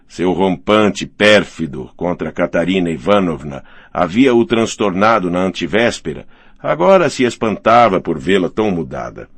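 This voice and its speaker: A man reads a novel aloud in a steady, measured narration. His voice is low but moves expressively in pitch. The sound is close and dry, with no room echo. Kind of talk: scripted audiobook narration.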